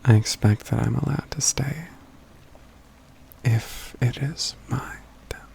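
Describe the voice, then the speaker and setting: Man playing a slow, gravelly, aloof mage. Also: mid-range voice, in a whisper. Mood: dryly teasing. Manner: formal, measured, haughty phrasing with hushed stretches. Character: aloof, proud mage companion, dryly teasing, secretly fond. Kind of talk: ASMR roleplay acting, soft and intimate.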